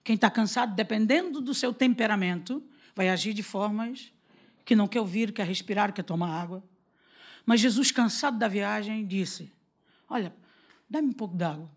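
A Brazilian woman preaching a lively sermon, telling stories and acting out the dialogue with frequent laughter. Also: medium pitch, normal speed. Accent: Brazilian Portuguese. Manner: animated, acts out quoted dialogue, laughs often.

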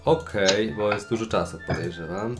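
A man at a tabletop game session who talks through what his character does. His voice sits fairly low and stays calm and measured. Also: music in the background. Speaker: player.

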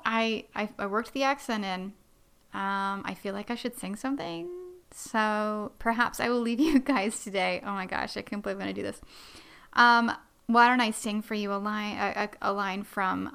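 A woman's voice: fairly high pitch, a bit bright, clean tone. A woman hosting a solo podcast, chatting in a bubbly, self-deprecating way and rambling with many fillers. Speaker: podcast host.

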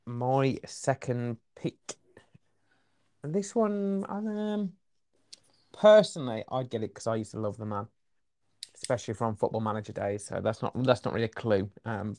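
A man's voice: lowish voice, darkish tone. Chatty Black Country man quizzing a friend. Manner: chatty, rambling, quick asides. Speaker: quiz host. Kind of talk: casual football quiz chat.

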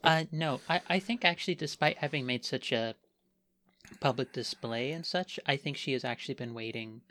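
A man's voice: medium pitch, normal speed, sharp tone, no room sound. A man playing a tabletop role-playing game, thinking aloud about his character in a rambling way with many fillers. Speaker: player.

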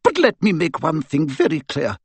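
A man voicing a stern older woman professor who speaks in a crisp, clipped, icily formal way. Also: a little high, huge pitch swings, moderate pace, dry recording, voice pushed up, full character voice. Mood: scornful.

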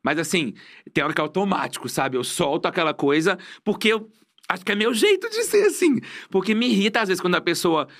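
A young man with a Brazilian Portuguese accent, chatting as a guest and telling stories, acting out what people said. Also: sits high. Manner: fast animated storyteller, acts out quotes. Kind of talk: casual chat.

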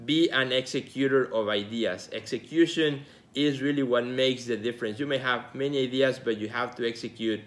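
A man in his forties from Mexico, hosting his own show as a casual solo talk, relaxed and rambling, with many fillers and restarts. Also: medium pitch, moderate pace. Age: 40s. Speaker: podcast host.

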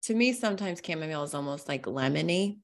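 A woman co-hosting a casual podcast, describing things in an animated, rambling way with laughs. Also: low-pitched, fast, a loud crowd. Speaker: podcast co-host. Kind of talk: casual chat.

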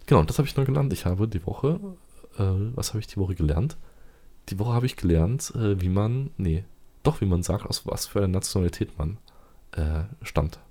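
A man's voice: low voice, animated, normal speed, dark tone. A man in casual chat, joking and rambling with fillers and restarts. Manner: chatty, jokey, many fillers and restarts.

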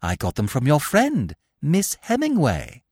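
Performer voicing young upper-class English gent, dim, chirpy, excitable, highly animated, breezy, comic audiobook. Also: a little slow, breathy edge, no echo, clean studio sound, full character voice. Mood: smug triumph. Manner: excitable, breezy, blithely foolish exclamations.

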